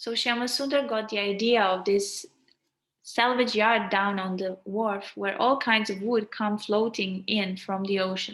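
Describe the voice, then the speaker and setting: A woman speaks with a Croatian accent at a fairly slow pace. Her voice is fairly high, with fairly even intonation. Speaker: devotional reader. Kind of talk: reading aloud. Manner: halting, self-correcting.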